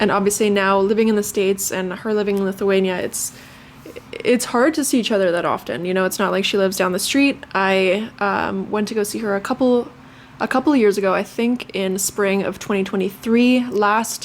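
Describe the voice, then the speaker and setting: The speaker moves at a fairly quick pace with ordinary pitch variation. Noticeable background noise runs underneath. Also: woman, medium pitch for a woman. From grew up on many continents, Lithuanian-German family. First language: Lithuanian. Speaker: lifestyle vlogger. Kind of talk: casual vlog talk to camera. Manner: hesitant, many fillers and repeats.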